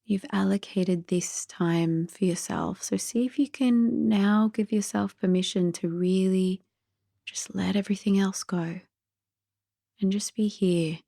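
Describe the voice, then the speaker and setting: Slow, soothing woman guiding sleep meditation. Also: mid-range voice, steady tone, no room sound, studio quality. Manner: gentle, soothing, soft breathy delivery drifting near whisper. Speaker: meditation guide.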